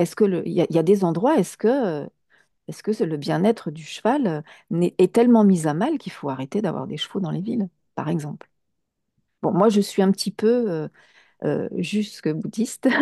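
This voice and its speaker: A woman with a dark, mellow tone speaks at a moderate pace with lively intonation and big swings in loudness. The sound is dry and close with no echo, against a quiet background. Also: medium pitch for a woman. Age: 60s. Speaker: equine therapist and trainer. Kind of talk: online seminar discussion. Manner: halting, many hesitations; animated.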